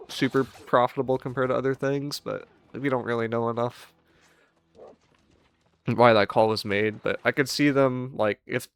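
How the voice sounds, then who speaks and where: A man's voice: mid-range voice, vocal fry, clean tone, no room sound. A man giving a casual, unscripted farewell commentary on a video game, speaking in a downcast, wistful, resigned way. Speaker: gaming channel streamer.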